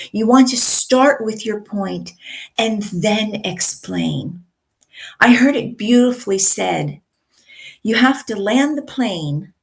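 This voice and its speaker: A woman teaching communication skills, her voice a little raspy from a night of yelling at a concert, speaking in a deliberate, emphatic way. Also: medium pitch. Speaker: communication coach. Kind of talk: teaching to camera.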